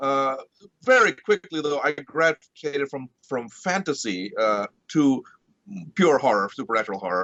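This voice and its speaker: At a moderate pace, the speaker talks with an American accent and very wide pitch swings. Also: man, fairly high pitch for a man. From US Midwest, Illinois and Indiana. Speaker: literary scholar. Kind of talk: interview. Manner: hesitant, many fillers and repeats.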